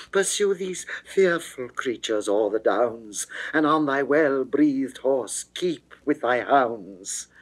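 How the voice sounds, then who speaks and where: A fearful goddess of love pleads in classical verse, acted out by a man. The delivery is theatrical and very deliberate, lingering slowly over the words at a middling male pitch. It sounds like a studio poetry recording from the early 1960s. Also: natural voice, poor audio. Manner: theatrical, measured, declamatory. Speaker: reader of dramatic verse.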